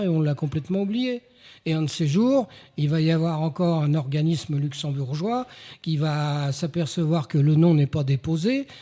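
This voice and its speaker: A man speaks at a moderate pace with a fairly high pitch, a dark, mellow tone and ordinary pitch variation, on a very clean recording with a silent background. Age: 80s+. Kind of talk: interview. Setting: outdoors at a riverside open-air café.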